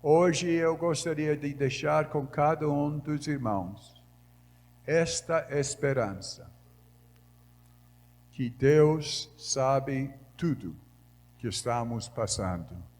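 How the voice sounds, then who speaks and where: A man preaching in Portuguese with a Brazilian Northeastern accent, a missionary whose first language is English, delivering a measured sermon in a church. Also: a little high. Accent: Brazilian Northeastern Portuguese, as a foreign speaker. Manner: slow, measured preaching that grows louder when reading scripture. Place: large church hall. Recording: reverberant church hall.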